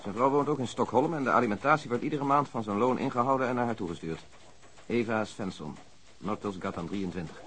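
Male radio-drama role: methodical detective played by an actor, precise and factual, medium pitch, faint background noise. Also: brisk, fairly bright tone, close to an everyday voice. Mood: matter-of-fact. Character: methodical police detective with a sharp memory. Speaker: police detective. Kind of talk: Dutch radio drama dialogue.

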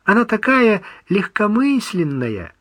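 A man's voice: a little slow, dry recording, full character voice. A man putting on a doting older mother. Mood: doting, anxious. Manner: high, lively, doting and teasing. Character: older woman, fussy loving mother on the phone.

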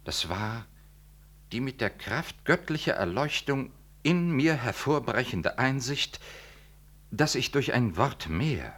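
An actor playing a dignified, self-righteous Catholic priest in a 1960s German radio drama, speaking in formal, measured, emphatic declamation. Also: male voice, mid-range voice, fairly bright tone, exaggerated voice.

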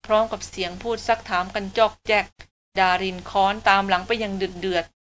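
A woman narrating an adventure novel in a steady, even reading voice at a middle pitch. A faint hiss of noise sits under the recording. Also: brisk. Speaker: audiobook narrator. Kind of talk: novel read aloud.

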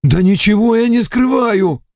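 A man's voice: sits high, very animated, brisk, darkish tone, no room sound, clean studio sound, pitched above the performer's own voice. A man voicing a wily male demon emissary who pleads and whines in an audiobook. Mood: whining. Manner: pleading, whiny, wheedling.

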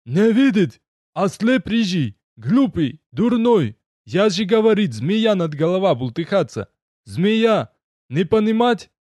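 A man voicing an excitable little male gnome who squawks in broken, mangled speech. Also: unhurried, few pauses, dry recording. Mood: indignant. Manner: shrill, squawking, mangled grammar.

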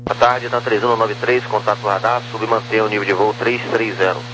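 A man's voice: lowish voice, level tone, fairly quick. A Brazilian man giving clipped, procedural air traffic control instructions over a two-way walkie-talkie radio. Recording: noisy radio transmission with hum.

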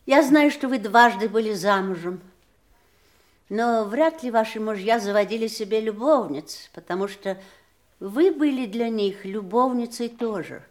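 An actress playing a proud, prickly wife in an audio drama, speaking in a pointed, emphatic stage manner. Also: female voice, a little high, expressive, a little slow. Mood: cutting, righteous. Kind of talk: theatrical audio drama acting.

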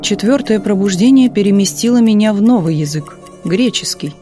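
A woman narrating a literary audiobook in a calm, measured reading style. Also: mid-range voice, over music. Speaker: audiobook reader.

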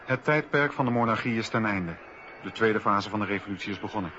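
A man's voice: lowish voice, fast, pushed and bright. A man narrating a scripted historical radio documentary in a factual, declarative way. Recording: dull radio recording, faint noise.

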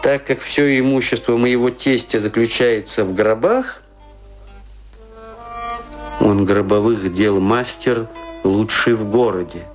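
A bitter, washed-up provincial clown of the stage, drunk and brooding in a radio play. His low voice moves very slowly through a rambling, self-mocking soliloquy, with faint music behind it. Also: fairly even intonation. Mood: befuddled, musing. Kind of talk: theatrical radio drama monologue.

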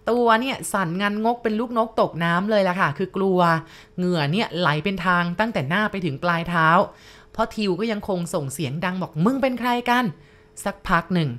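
Brief: woman storyteller, low voice, polite, speaks to the listeners directly. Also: brisk, a bit bright. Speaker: ghost story narrator. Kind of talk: narrated ghost story for listeners.

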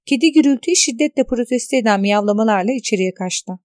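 A woman narrating a novel as an audiobook, in a measured, expressive reading on a close mic. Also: a little high, no room sound.

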